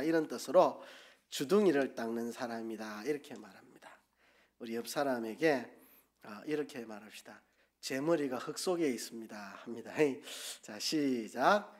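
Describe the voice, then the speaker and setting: A man with a Gyeongsang accent preaching a sermon as pastor, asking the congregation questions and leading them in call-and-response. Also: medium pitch. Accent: Gyeongsang Korean.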